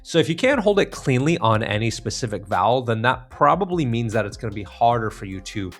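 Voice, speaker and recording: A man's voice: mid-range voice, sing-song, brisk, soft background music. A man working as a vocal coach, giving step-by-step tutorial instruction and speaking directly to the viewer. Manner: demonstrates exercises step by step, direct address.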